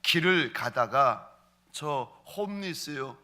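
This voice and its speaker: A man preaching a sermon as a pastor, acting out quoted voices and slowing into prayer. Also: on the high side, lively intonation, pushed and bright. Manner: acts out quoted voices in his preaching, ends in slow prayer.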